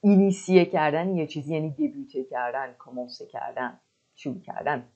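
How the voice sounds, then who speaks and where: A woman teaching French. She explains words in Persian and repeats French phrases slowly and carefully. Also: sits low, dark tone, highs cut off. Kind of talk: explaining a language lesson.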